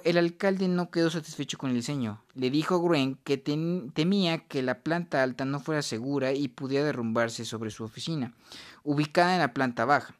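Man reading a nonfiction book aloud. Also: medium pitch. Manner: unhurried reading with pauses and self-corrections. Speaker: reader.

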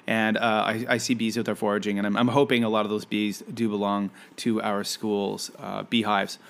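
A man's voice: on the low side, flat delivery, normal speed, creaky, fairly bright tone. A man from Canada hosting a casual solo podcast, talking in a friendly, rambling way with many fillers and restarts. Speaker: podcast host; environmental educator.

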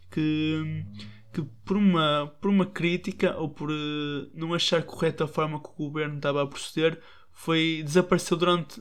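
A man's voice: on the high side, a bit bright, clear, resonant tone. A young man with a European Portuguese accent talking in a casual commentary to his listeners, hesitant, with many restarts and fillers.

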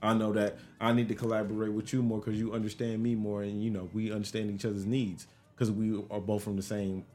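A man's voice: fairly low pitch, level tone, a little fast, few pauses, a little mellow, slight background noise. A man with an African American accent talking bluntly in a casual, heated discussion, swearing and repeating himself.

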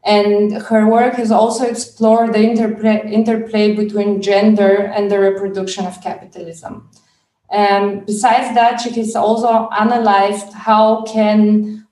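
Flat-voiced moderator woman, distant and roomy. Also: medium pitch, a little slow. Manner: hesitant, many fillers. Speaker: moderator introducing the speaker. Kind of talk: reading a speaker introduction. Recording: roomy sound, distant from the mic.

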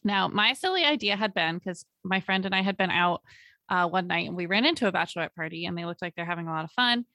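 A woman in her late twenties chats on a podcast with a bright, forceful voice. She laughs easily and lets sentences trail off, recorded close and dry with no room sound. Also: lowish voice, lively intonation, fast talker, dry recording. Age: late 20s. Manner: chatty, laughs often, trails off mid-sentence. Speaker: podcast co-host. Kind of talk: casual podcast chat.

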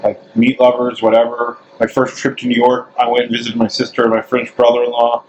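A man from the American South with a deep bass voice, hosting an interview as a casual, playful, rambling chat. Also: completely flat delivery, fairly quick, muffled recording, slight background noise. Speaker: interview host.

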